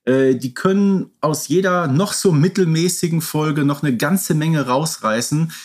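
A man's voice: a little high, unhurried. A man co-hosting a podcast, giving his opinions emphatically in a conversational style. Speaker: podcast co-host.

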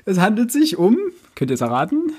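A man's voice: high-pitched, wildly swooping pitch, a little fast, darkish tone, slightly rough. A man co-hosting a casual podcast, dropping wry jokes into the chat. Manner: wry, joking remarks. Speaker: podcast co-host.

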